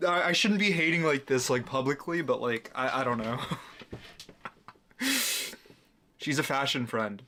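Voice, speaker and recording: A man's voice: on the high side, pushed and bright. A young man hosting a reaction video, talking casually with incredulous, mocking asides and frequent laughs.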